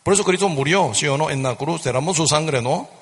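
A man's voice: fairly high pitch, fairly quick, breathy edge. A man preaching a sermon with fervent repetition, often tossing rhetorical questions at his listeners. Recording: reverberant hall.

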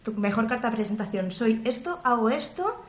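A professional voice-over woman from Spain, chatting in an interview and explaining her work with lively examples. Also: fairly high pitch, brisk, echoey room. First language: Spanish. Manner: animated, explains with examples and imitated sounds. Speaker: interview guest, professional voice-over artist and journalist. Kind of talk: relaxed conversational interview.

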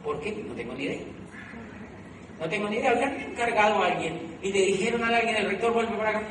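A middle-aged Colombian man telling a live motivational story, animated, repeating phrases and laughing at himself. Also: high-pitched, fast. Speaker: motivational speaker. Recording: echoey hall, from far off, noisy.

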